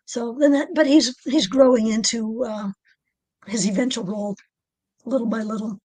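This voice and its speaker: A woman author with a low alto voice, speaking in a halting, soft-spoken way in a casual podcast interview. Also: steady tone, dry recording. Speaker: author guest.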